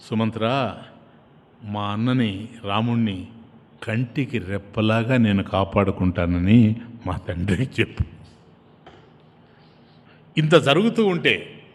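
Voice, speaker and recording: Male preacher, devotional storytelling, animated; long hall reverb. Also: medium pitch. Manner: animated storytelling, acting out characters.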